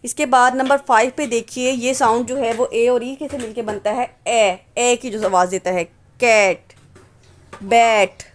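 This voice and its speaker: A woman's voice: on the high side, fairly even intonation, normal speed, few pauses. A woman teaching English phonetics, patiently repeating example words and asking and answering her own questions. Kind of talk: phonetics lesson explaining symbols.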